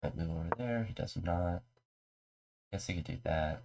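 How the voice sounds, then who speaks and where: Low, gravelly man with a stuffy cold. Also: moderate pace, darkish tone. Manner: low-key, talks through his moves. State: mild cold, congested. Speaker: live streamer. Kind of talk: casual chess commentary.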